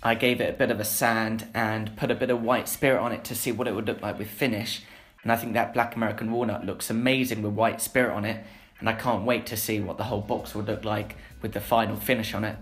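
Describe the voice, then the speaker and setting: A young man narrating a woodworking build in a relaxed voice-over, with frequent filler sounds. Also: lowish voice, fast. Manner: plain, easygoing, frequent "uh" fillers. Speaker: woodworking channel host. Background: background music.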